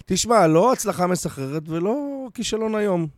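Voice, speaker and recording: A man chatting casually as a football podcast panelist, in an understated, measured way. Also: high-pitched, expressive, no room sound. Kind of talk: casual football fan chat.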